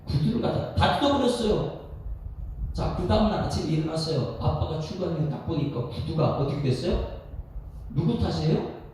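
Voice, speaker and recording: Animated pastor preaching in an echoey hall. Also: male voice, fairly high pitch, brisk. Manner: animated preaching with questions to the congregation. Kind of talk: expository sermon at a dawn prayer service. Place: church sanctuary. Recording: echoey hall, distant mic, faint noise.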